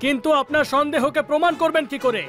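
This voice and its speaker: খুব উঁচু গলার কার্টুন চরিত্র. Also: male voice, extremely high pitch, a bit bright. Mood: suspicious. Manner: quick sarcastic questions, repeated catchphrase. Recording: studio voice with music behind.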